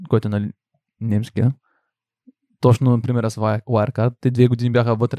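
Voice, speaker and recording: In a dark, mellow tone with flat, monotone intonation, a man speaks at a medium pitch and moderate pace with long, frequent pauses, the sound dry and close with no echo. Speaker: podcast host. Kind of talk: casual chat.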